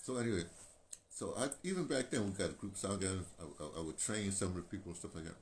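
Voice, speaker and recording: Deep-voiced older American man, rambling. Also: expressive, darkish tone. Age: 60s. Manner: halting, digressive, repeating phrases. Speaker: video blogger, radio veteran. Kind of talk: casual rambling monologue to camera. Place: small painted room indoors. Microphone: phone at arm's length. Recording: clear ambient background noise.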